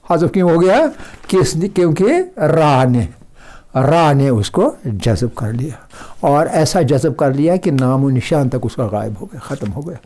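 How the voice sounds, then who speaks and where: A man teaching a class on Quran recitation, patiently repeating example words slowly and checking that students follow. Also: on the high side, lively intonation, warm tone. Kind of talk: classroom lesson.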